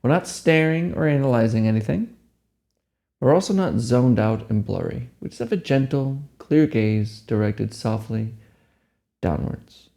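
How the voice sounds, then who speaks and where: A man leading a guided meditation, giving gentle, unhurried instructions. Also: mid-range voice, expressive, gravelly.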